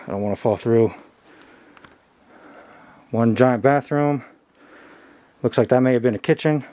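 A man in his thirties narrating a casual exploration vlog as he walks, informal and halting, thinking aloud. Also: medium pitch, dark tone, dry recording. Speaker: host exploring abandoned places. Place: outdoors and inside derelict buildings, walking. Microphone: handheld camera at arm's length. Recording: outdoor camera audio with background noise.

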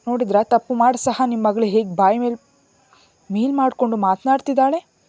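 A woman reading a storybook aloud and voicing a defiant, stubborn young woman who answers back sharply and loudly. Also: mid-range voice, steady tone, moderate pace, no room sound, natural voice. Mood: indignant. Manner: sharp, indignant and loud.

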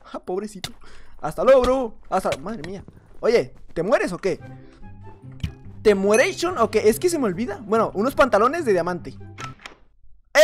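Casting: woman gamer, slightly hoarse, lively swooping pitch, teasing and laughing, faint music behind. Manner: excitable, laughing, teasing other players. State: slightly hoarse from just waking up. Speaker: gaming YouTuber. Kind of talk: Minecraft gameplay commentary.

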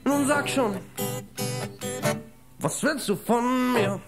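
A woman's voice: a little high, drawn-out words. Woman singing an answering machine greeting. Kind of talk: sung answering machine message over guitar. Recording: cassette tape with guitar music.

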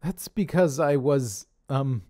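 A man's voice: medium pitch, slow pace, mellow, no room sound, studio quality, pitched above the performer's own voice. Man doing a smug wisecracking young survivor. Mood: sheepish. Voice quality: sarcastic, deflecting.

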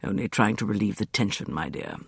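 A man voicing a suave, sardonic gentleman schemer who talks in a slow, irritating drawl. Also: fairly low pitch, animated, creaky, breathy edge, dry recording, pitched below the performer's own voice, full character voice. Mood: smooth.

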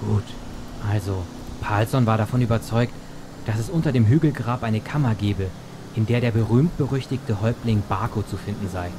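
An actor as a polite, slightly awkward doctor in a radio play. His voice is on the low side, dry and educated. Vehicle and outdoor noise sits clearly behind him. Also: moderate pace, close to an everyday voice. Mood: narrating. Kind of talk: German audio drama acting.

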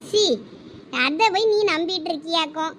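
A woman's voice: extremely high pitch, moderate pace, a bit bright, a little hiss or hum. A woman voicing a know-it-all college girl, talking in a dismissive, chattering way.

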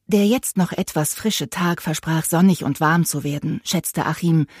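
Female audiobook narrator: steady storytelling, slightly low and husky. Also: dry recording, clean studio sound.

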